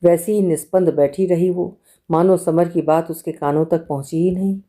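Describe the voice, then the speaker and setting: A woman with a lowish voice narrates a literary audiobook, telling the story in a measured, expressive way.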